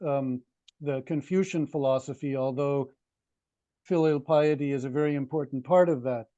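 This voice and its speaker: A man asking a long, thoughtful question at a seminar, halting often with ums and uhs. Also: a little high, warm tone. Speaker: audience member asking a question. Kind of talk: hesitant spoken question at a seminar. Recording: dull lo-fi room recording.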